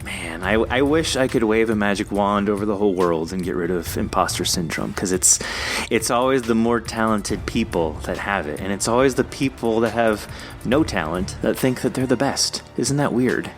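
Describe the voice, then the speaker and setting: A man's voice: on the low side, moderate pace, faint music behind. A man chatting casually as a podcast host interviewing a guest, encouraging and jokey in manner.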